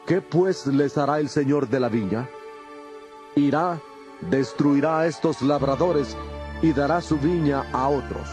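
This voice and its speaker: A man's voice: on the high side, unhurried, natural voice. An actor playing Jesus in a dramatized audio Bible, a grave, authoritative male teacher who speaks in a solemn, declamatory way. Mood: solemn storytelling. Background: music.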